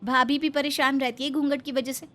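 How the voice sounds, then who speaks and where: A woman's voice: high-pitched, little pitch movement, a little fast, a bit bright. A woman voicing an outspoken young daughter-in-law in a cartoon, pleading and defiant.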